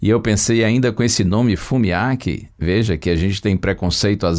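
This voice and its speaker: This man has an unremarkable speaking voice, fairly low in pitch, moving at a moderate pace with ordinary pitch variation on a very clean recording with a silent background. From Bahia, Brazil (Vitória da Conquista). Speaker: radio preacher. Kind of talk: radio sermon.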